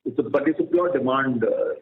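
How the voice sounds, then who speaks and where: Exec guy explaining stuff on a conference call, halting, echoey tinny phone sound. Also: mid-range voice, a little hiss or hum. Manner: explanatory, halting, repeats words. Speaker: company executive answering analysts. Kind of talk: earnings call answers.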